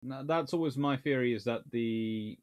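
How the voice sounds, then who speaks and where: A man's voice: mid-range voice, moderate pace. A man in his thirties, a naval historian answering viewer questions in a casual livestream from a small book-lined room, thinking aloud and restarting sentences as he goes.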